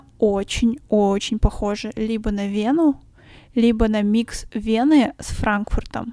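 Over a silent background in a very clean recording, a woman with a fairly high pitch and a dark, mellow tone speaks at a fairly slow pace with ordinary pitch variation. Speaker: podcast co-host. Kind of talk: casual chat.

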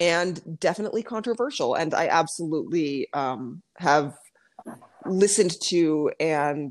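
A woman's very deep, low voice in an American accent, with ordinary pitch variation. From Arizona. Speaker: journalist and author. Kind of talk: casual interview. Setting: video call.

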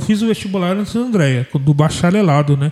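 Lively intonation marks a man's high-pitched voice with a dark, mellow tone. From Brazil, São Paulo city. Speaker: musician and podcast co-host. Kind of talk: casual chat.

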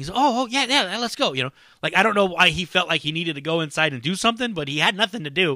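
A very fast, animated man with a high pitch and very wide pitch swings on a very clean recording with a silent background. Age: 40s. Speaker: podcast host and stand-up comedian. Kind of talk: casual chat.

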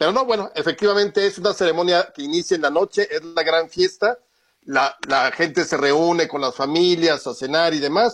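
Here a man speaks in a high voice with ordinary pitch variation. His pace is moderate. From Mexico. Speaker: historian. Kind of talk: radio interview.

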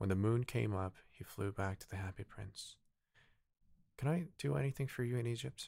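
Against a silent background on a very clean recording, a man with a normal speaking voice speaks at a fairly low pitch with lively intonation. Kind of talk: bedtime story reading aloud. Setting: ASMR. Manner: soft, slow, soothing.

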